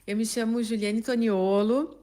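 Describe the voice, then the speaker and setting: A middle-aged woman from Brazil, a podcast listener telling a funny story about living abroad, acting out her own shouting. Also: fairly high pitch, fairly even intonation, measured pace.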